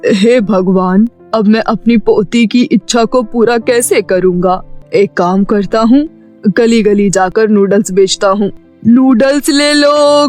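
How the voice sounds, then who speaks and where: A man voicing a poor old grandfather who sells noodles, pleading and lamenting, in a children's story cartoon. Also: very high voice. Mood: despairing, then calling out wares.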